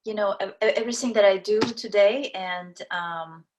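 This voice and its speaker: Woman in her forties, from Kazakhstan, Russian native speaker, podcast guest, halting speech with fillers. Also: medium pitch, darkish tone, dull audio. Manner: hesitant, many ums and restarts. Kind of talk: casual interview talk.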